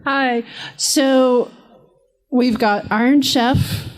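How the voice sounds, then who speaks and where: A woman in the audience asking a guest a question in an upbeat, deliberate way. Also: sits high, steady tone.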